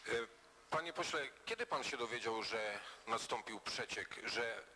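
A man questions a witness at an official hearing in a very bright, sharp-edged voice. He presses persistently and formally and stops now and then to read records aloud. A faint hiss sits behind him. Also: mid-range voice, lively intonation, measured pace, poor audio. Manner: persistent, formal, reads out transcript excerpts. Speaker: committee member questioning a witness. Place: parliamentary hearing room.

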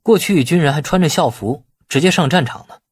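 A man's voice: on the high side, animated, a little fast, slightly rough, no echo, studio quality, voice pushed up. A man voicing a capable, composed male company boss in an audiobook, talking matter-of-factly. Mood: obliging, casual.

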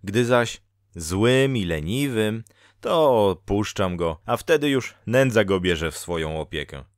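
A man's voice: lowish voice, lively intonation, measured pace, no room sound, clean studio sound. A man voicing Dola, a female spirit of fate who scolds a lazy farmer in a storybook reading, with lecturing, reproachful delivery. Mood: chatty.

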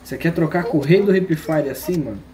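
Playing a shooter game on stream, a Brazilian Portuguese-accented man jokes in slang and needles his audience. His voice is a little high and he talks fast over a noisy background.

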